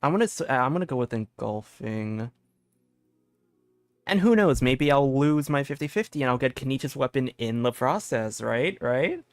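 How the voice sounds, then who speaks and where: A young man doing casual live game commentary as a streamer, excitable and rambling, often repeating himself. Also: medium pitch, normal speed, no room sound. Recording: dry close sound with game music.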